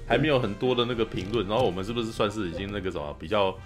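Fast-talking man with a Taiwanese accent. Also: fairly low pitch, over loud music. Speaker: film podcast co-host. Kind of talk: casual chat.

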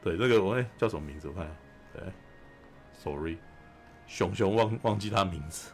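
Fast-talking Taiwanese man retelling a film. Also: low voice, soft background music. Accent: Taiwanese Mandarin. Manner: animated storyteller, keeps asking "you know?". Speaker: podcast host. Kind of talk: casual film recap chat.

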